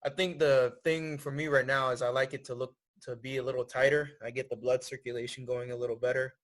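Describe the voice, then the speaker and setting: A relaxed young man from Thailand chats as a podcast guest, speaking at an ordinary pitch. He answers in an easygoing, thoughtful way. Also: fast talker. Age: 20s. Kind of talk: casual interview chat.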